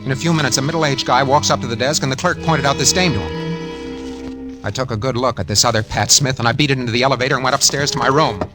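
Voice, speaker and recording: A jittery impostor telling his own story in clipped, hard-boiled narration, voiced by a man. His voice sits mid-pitch over loud music in an old radio broadcast. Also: fast talker, natural voice, poor audio. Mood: tense. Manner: tense hard-boiled first-person narration. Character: nervous scheming man posing as someone else. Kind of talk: 1940s radio acting.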